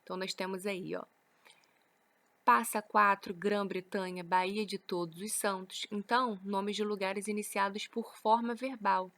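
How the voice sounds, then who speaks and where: A woman's voice: mid-range voice, steady tone, a little slow, fairly bright tone, no room sound. A woman teacher with a Brazilian Portuguese accent, explaining grammar rules from slides and often adding "né?" to check understanding. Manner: explains each rule with frequent "né?" tag questions. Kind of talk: recorded grammar lesson reading from slides.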